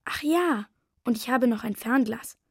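A woman's voice: a little high, measured pace, a little mellow, husky, no echo, studio quality. A woman narrating as a boy of nearly eight. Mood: cheerful. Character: boy Pontus, almost eight, lively. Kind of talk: first-person storybook narration.

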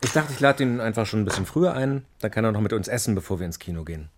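An actor playing a chatty, flamboyant housemate cooking dinner, talking theatrically in a radio play. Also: male voice, on the low side, lively intonation, rapid-fire, noisy background, natural voice. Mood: annoyed. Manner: theatrical, cheerful host manner.

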